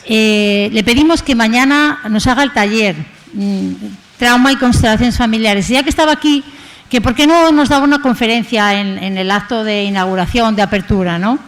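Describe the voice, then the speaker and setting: A woman's voice: on the high side, normal speed. Chatty woman introducing a guest speaker. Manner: chatty, rambling, tag questions. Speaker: association host introducing the speaker. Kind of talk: conference introduction. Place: conference hall.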